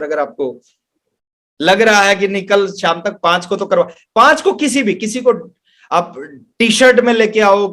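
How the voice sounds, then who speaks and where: High-pitched male motivational speaker. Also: fairly bright tone. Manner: emphatic, repeats phrases for effect. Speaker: business trainer, motivational speaker. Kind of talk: motivational sales training talk with anecdotes. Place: online webinar.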